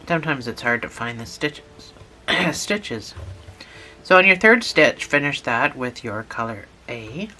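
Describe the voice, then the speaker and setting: A channel host talking through a lesson step by step, patient and repetitive, a little hoarse from a cold. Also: medium pitch, big pitch swings, measured pace, pushed and bright, soft background music. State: has a cold, losing voice. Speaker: instructor. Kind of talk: step-by-step tutorial narration.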